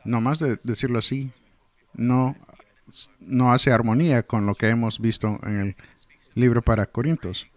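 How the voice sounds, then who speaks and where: A man's voice: medium pitch, measured pace, no echo. A man delivering a verse-by-verse sermon in translation, earnestly reading scripture and explaining it. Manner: earnest, explanatory, reads scripture then comments. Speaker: Spanish translator of a pastor's sermon.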